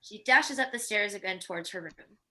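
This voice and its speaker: Bright-voiced woman reading stage directions. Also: medium pitch, animated, a little fast. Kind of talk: scripted narration of a screenplay.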